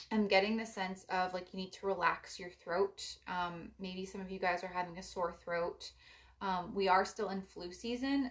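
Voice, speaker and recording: Young woman w a raspy voice doing a card reading, rambly and soft-spoken, medium pitch. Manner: meandering, filler-heavy, gentle advice. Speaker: psychic card reader. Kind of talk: casual spiritual card reading to camera.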